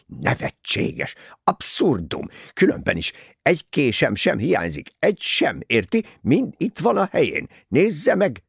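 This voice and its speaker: Man acting an indignant, blustering old doctor, swooping pitch. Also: wildly swooping pitch, gravelly, few pauses, slightly rough, no echo, clean studio sound, full character voice. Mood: outraged, blustering. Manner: blustering, emphatic. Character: indignant, proud older male Swiss doctor.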